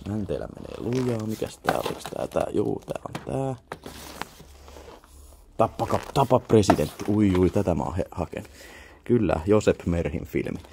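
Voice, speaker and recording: A man's voice: low voice, lively intonation, creaky, background noise. A young man with a Finnish accent, muttering casual commentary to himself while browsing an indoor flea market, with half-whispered asides and offhand swearing.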